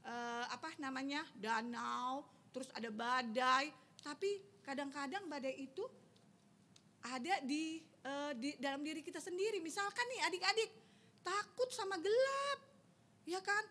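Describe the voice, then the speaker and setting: A woman's voice: high-pitched, unhurried. A young woman, telling a Bible story to children as a Sunday school teacher and quizzing them as she goes. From Indonesia. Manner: lively, keeps quizzing the children.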